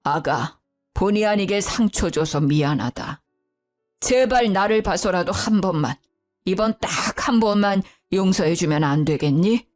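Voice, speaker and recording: A stern old father-in-law, put on by a woman narrator, with a booming scolding voice whose pitch swings widely. The storybook delivery has soft background music under it. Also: lively intonation, measured pace, natural voice. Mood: pleading.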